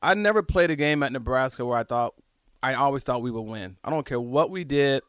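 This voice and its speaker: A middle-aged man chatting casually about his football days as a former player, telling stories in an animated way and repeating himself. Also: medium pitch, a little fast, clean tone, dry recording, studio quality. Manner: animated storytelling, repeats phrases, says "dude" often. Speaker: former college football quarterback, show guest. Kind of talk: casual sports chat, reminiscing.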